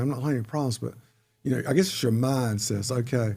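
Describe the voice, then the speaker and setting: Somewhat breathy and at a medium pitch, a man talks at a very fast pace with ordinary pitch variation. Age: 60s. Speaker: surf shop owner. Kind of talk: casual interview conversation.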